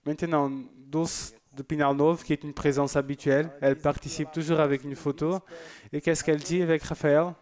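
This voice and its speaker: Man host, church TV, slightly high voice, casual and joking, reads out viewers' messages. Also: level tone, a little fast, few pauses, darkish tone. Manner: chatty and joking, with loose asides. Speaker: church TV presenter. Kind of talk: casual broadcast chat reading viewer messages.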